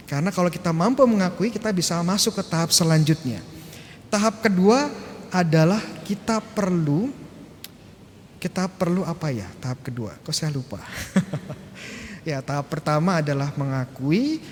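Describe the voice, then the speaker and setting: A man preaching a homily as a Catholic priest, chatty, asking himself questions and acting out small exchanges with parishioners. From Indonesia. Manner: conversational, asks and answers his own questions; acts out short exchanges with parishioners. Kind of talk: sermon. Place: church. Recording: church reverb, faint rumble.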